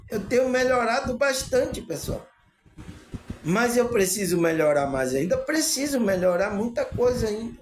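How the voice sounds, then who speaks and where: Guy with a pretty high voice doing a loose spiritual talk for his channel, keeps checking in with viewers, echoey room. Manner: rambling, repeats tag questions to the audience. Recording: echoey room with faint ambient noise.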